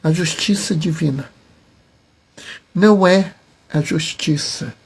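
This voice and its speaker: A man, a deacon giving a homily with slow, deliberate phrasing and emphatic pauses. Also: a little high, vocal fry, slightly rough.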